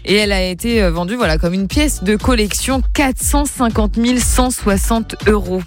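A woman's voice: medium pitch, normal speed. A woman hosting a call-in quiz on the radio, chatty and teasing, with light music playing under her. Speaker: radio host. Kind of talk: casual radio call-in game.

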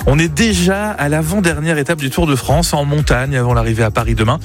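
A man hosting a local morning radio show with brisk, chatty, upbeat patter. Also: on the high side, soft background music.

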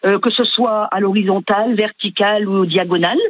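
An older woman from northern France with a northern French accent, calling in to a radio show, friendly and hesitant with many pauses. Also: medium pitch, steady tone, no echo, phone-quality sound. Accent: northern French (Flemish area). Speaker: caller.

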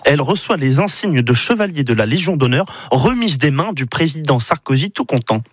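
Animated, high-voiced male TV columnist. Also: a little fast, slightly rough, dry recording, studio quality. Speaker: TV show columnist. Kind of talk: lively presented segment on a celebrity.

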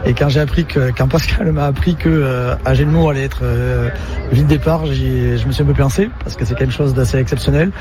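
A man who is a basketball coach answers radio interview questions haltingly, with frequent fillers. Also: medium pitch, steady tone, over music.

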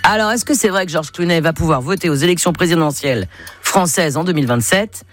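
A French woman hosts a radio game show over clear background music. She is playful and familiar, teasing contestants and tossing out exclamations. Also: low voice, fast talker.

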